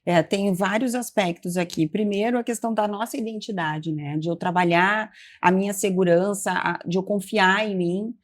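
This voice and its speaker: A woman speaks as a guest expert, her voice in a middle pitch. She lays out her points in an assured, instructive manner, telling listeners what to do. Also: moderate pace, few pauses. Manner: assured, instructive, advice-giving. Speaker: communication trainer, guest. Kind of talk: expert explaining on a talk show.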